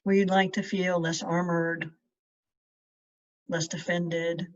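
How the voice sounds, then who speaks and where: Slow, low-pitched woman guiding meditation. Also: little pitch movement. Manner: slow, measured, with long pauses. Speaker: meditation guide. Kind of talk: guided meditation. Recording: distant mic, dull muffled sound.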